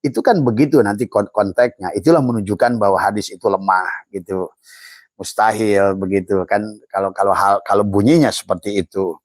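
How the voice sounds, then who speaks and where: Older male preacher, low, dry-miked. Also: brisk, no room sound. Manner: rambling, many fillers and restarts; quotes Arabic phrases. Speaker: Islamic preacher. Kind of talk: religious teaching talk.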